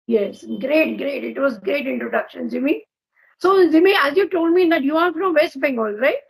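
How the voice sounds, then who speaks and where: A woman's voice: sits high, lively intonation, normal speed, gravelly, low-quality recording. A woman with an Indian English accent hosting an English practice video call, asking friendly, encouraging questions. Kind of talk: casual video call chat.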